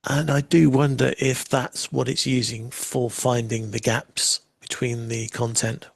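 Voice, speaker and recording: A man hosting a live software demo, chatting casually and making wry asides while he waits. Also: mid-range voice, flat delivery, unhurried, creaky, no room sound. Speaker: livestream host demoing software.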